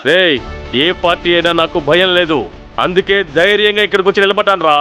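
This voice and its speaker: A fast-talking, scornful cop. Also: male voice, high-pitched, fairly even intonation, pushed and bright, soft background music. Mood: menacing. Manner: menacing and scornful. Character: arrogant, threatening male police officer. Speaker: police officer in a film. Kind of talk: dubbed film dialogue.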